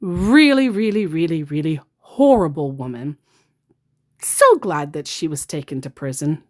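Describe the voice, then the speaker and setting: A woman's voice: low voice, animated, measured pace. A woman who baits scammers, narrating a casual vlog with a sarcastic, mocking manner. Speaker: scam baiter.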